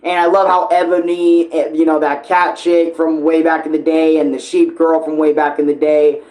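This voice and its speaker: A man's voice: a little high, little pitch movement, normal speed, a little mellow, low-quality recording. A young man giving casual fan commentary as an online creator, rambling informally with hesitations, digressions and swearing.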